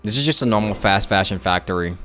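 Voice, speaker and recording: A man's voice: on the low side, animated, fast talker, pushed and bright. A young man giving casual, slangy, joking live commentary as he streams a game. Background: game music.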